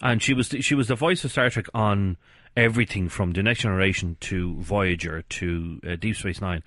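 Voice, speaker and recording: An Irish man with a bassy voice hosting a casual comedy podcast, joking and laughing often. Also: normal speed, a bit bright, dry recording, studio quality. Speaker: podcast host. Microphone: close studio mic.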